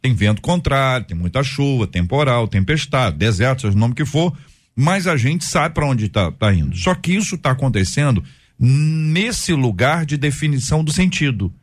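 Lively man hosting a faith talk panel. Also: medium pitch, normal speed. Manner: reflective, uses vivid imagery. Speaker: host. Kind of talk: Christian radio discussion panel.

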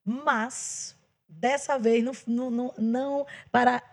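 A woman's voice: a little high, fairly even intonation, slow, creaky, darkish tone. Reflective Brazilian woman podcast host. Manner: reflective, hesitant restarts, affirming. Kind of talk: casual chat.

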